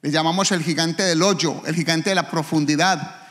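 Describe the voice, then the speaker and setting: High-voiced man preaching in a reverberant hall. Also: fairly even intonation, normal speed, fairly bright tone. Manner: dramatic, acts out voices of people in trouble. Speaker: pastor. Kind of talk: sermon. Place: church sanctuary.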